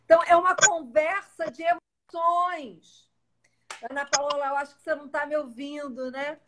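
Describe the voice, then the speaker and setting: Woman, high voice, parenting educator, live stream, patient, instructive, faint background noise. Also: fairly even intonation, normal speed. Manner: patient and instructive, addressing viewers directly. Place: home in a city. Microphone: internet live stream.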